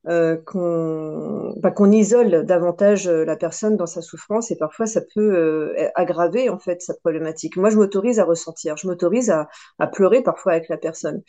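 French woman in her forties, podcast guest, lowish mellow voice, reflective with frequent restarts. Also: normal speed. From France. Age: 40s. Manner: thoughtful, many hesitations and restarts. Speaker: guest, personal development coach. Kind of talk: podcast interview.

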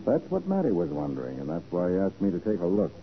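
An actor playing a confident, inquisitive private detective in a 1940s radio crime drama, assured and probing. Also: male voice, deep voice, huge pitch swings, fast talker, full character voice. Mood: assured, curious. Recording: muffled, hissy 1940s radio recording.

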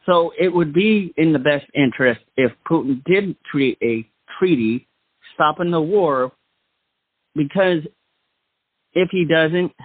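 Man, talk show host, slightly high voice, slow pace, dry close sound, casual commentary. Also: expressive, husky, no echo, phone-quality sound.

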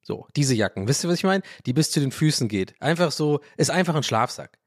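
A man hosting a podcast, talking in a rambling, animated way, often interrupting himself and laughing. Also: on the high side, a little fast, no echo, clean studio sound. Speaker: podcast host. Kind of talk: casual podcast monologue.

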